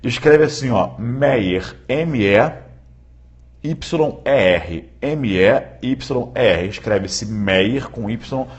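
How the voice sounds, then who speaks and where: Animated man teaching law live. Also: medium pitch, dull audio. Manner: animated, checks in often with viewers; repeats key points slowly for emphasis. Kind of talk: live-streamed law lecture.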